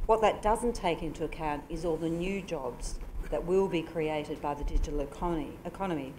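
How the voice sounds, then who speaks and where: A woman with an Australian accent speaks at a moderate pace and a fairly low pitch over light background noise. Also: ordinary pitch variation. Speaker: government policy official; guest. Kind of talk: conference presentation. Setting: conference room. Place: meeting room.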